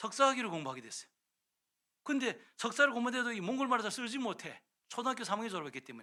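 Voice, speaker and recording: Raising and projecting his voice, a man talks at a fairly quick pace with a bright, sharp, animated tone and lively intonation. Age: 60s. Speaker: missionary preacher. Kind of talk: sermon with testimony.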